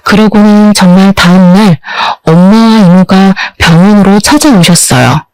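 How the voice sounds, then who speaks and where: A woman's voice: medium pitch, normal speed, a little mellow, clear, resonant tone, dry recording, poor audio. A woman narrating a first-person story in a confiding, emotional way.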